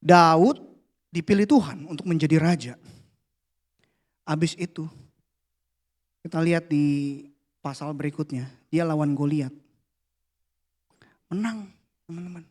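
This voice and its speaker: A man, preaching a casual, playful youth sermon that drops to a hush for the prayers. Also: a little high. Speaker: youth pastor. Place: church hall.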